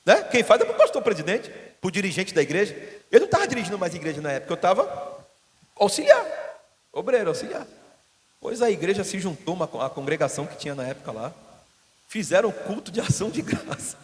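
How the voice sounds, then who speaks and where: A man with a high, sing-song voice talks fast as he preaches a sermon as pastor in a church hall. He tells stories and acts out the voices of the people in them, and the recording carries a long hall reverb.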